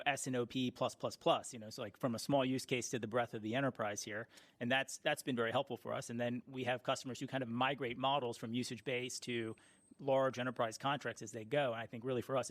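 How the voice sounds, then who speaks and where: Man, mid-pitched, dry close sound, casual explanatory executive talk, jargon-heavy, earnings call answers. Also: a bit bright, no room sound. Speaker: company executive.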